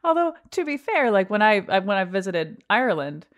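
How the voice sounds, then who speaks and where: A woman hosting a podcast, talking in a conversational way with quick asides. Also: mid-range voice, sing-song. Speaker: host.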